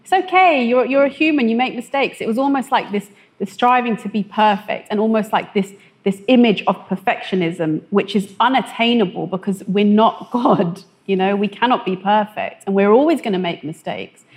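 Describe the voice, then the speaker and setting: A woman from West London shares her testimony in a relaxed, conversational way, pausing often and searching for words. She speaks at a middling pitch, and her voice lifts and speeds up when she mimics the warnings she heard growing up. She is on a church stage. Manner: hesitant, filler-heavy, animated when quoting others. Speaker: testimony guest.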